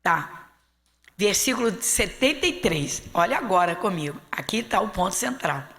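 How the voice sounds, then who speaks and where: A woman pastor from Brazil with a Rio de Janeiro accent, teaching a Bible class in an animated preaching manner and slowing down to read scripture aloud. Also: mid-range voice. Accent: Rio de Janeiro Portuguese. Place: church hall. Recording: long hall reverb.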